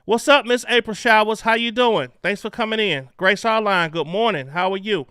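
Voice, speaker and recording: Man, show host, talkative, high bright voice, crisp dry sound. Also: normal speed, no room sound. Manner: chatty, addresses viewers as y'all. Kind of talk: casual commentary show.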